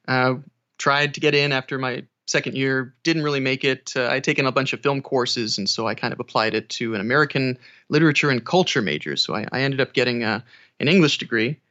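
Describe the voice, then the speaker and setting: A man's voice: medium pitch, brisk, bright, forceful tone. A man speaking as an interview guest, an audiobook narrator casually recounting his experiences. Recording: dull, band-limited audio.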